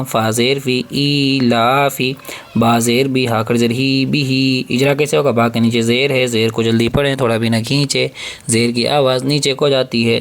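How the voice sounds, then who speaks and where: A man teaching a step-by-step reading lesson, drilling slow, drawn-out syllables and patiently repeating each rule, often asking a question and answering it himself. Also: mid-range voice. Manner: asks and answers his own questions.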